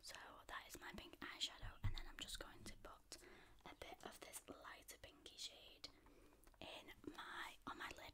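A woman whispering at a fairly slow pace. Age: 20s. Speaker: beauty and shopping YouTuber. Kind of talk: ASMR makeup tutorial. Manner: whispered. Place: home room. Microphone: studio mic.

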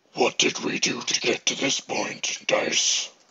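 The speaker uses a put-on character voice with a raspy edge. The delivery is fairly slow. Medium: read story. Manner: quiet, sorrowful.

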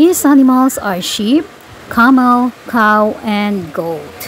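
Over noticeable background noise, a woman with a fairly high pitch speaks at a fairly slow pace, her intonation lively. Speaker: vlogger. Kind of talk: vlog narration. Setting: market.

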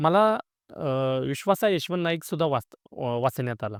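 Recorded very cleanly with a silent background, a man's voice comes through with a dry, close sound with no echo. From Maharashtra, Sangli district (Jat). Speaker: politician and social worker. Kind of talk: monologue interview.

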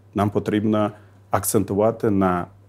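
A man speaks at a moderate pace in a fairly low voice with a dark, mellow tone. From Crimea. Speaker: member of parliament. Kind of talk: interview. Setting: studio. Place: studio.

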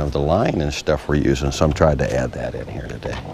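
A man with a very deep, low pitch talks at a fairly quick pace over noticeable background noise, the sound dry with no echo. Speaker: resort fishing report host. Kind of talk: casual fishing report. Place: boat.

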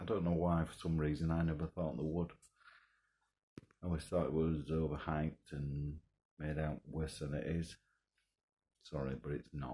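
A soft-spoken man with a very deep, low pitch talks in a monotone, flat intonation, leaving long, frequent pauses. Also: moderate pace. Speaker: long-time smoker. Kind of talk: casual talk to camera. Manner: quiet, soft-spoken. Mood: earnest, somber warning. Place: home room. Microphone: phone near.

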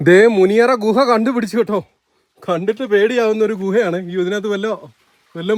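High-pitched male voice showing ordinary pitch variation. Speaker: travel vlogger. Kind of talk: travel vlog narration. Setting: outdoors.

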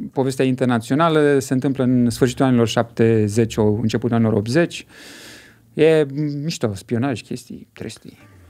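A man speaks with a dark, mellow tone at a medium pitch. His intonation is fairly even and his pace moderate. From Moldova region, Romania; Romania. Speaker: actor. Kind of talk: casual chat. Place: studio. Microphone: studio mic.

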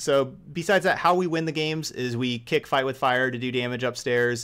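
A man talks at a fairly quick pace in a medium pitch with ordinary pitch variation. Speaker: gaming streamer. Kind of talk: live gameplay commentary. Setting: live stream recording. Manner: casual, filler-heavy.

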